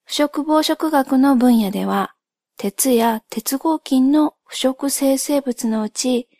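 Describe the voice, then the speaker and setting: A woman who hosts a solo spoken channel delivers a soft, ASMR-like monologue in a slightly high voice, speaking very slowly. She explains things gently, politely and in a measured way, and the recording is dry, with hardly any room sound.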